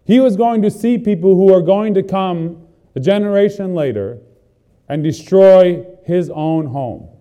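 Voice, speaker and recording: A man's voice: sits high, a little slow, mellow, dull audio. A man preaching a sermon, earnest and building emphasis through repeated phrases. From not from the country he is preaching in.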